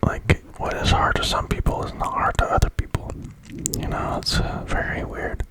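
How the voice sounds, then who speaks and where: A man speaking in a breathy whisper in a rambling ASMR monologue, halting mid-thought and repeating words. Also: fairly bright tone. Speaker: ASMR creator.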